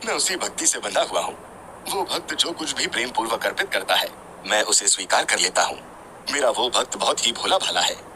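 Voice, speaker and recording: A man voicing a calm, forgiving Hindu god who makes stately, formal pronouncements in a devotional story. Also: fairly low pitch, fairly quick, slight background noise. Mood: solemn, benevolent.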